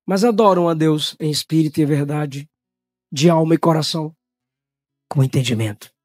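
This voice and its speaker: A man from Brazil preaching a Pentecostal sermon, shouting in high bursts and then dropping to low, quiet tones. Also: husky, dry recording, clean studio sound.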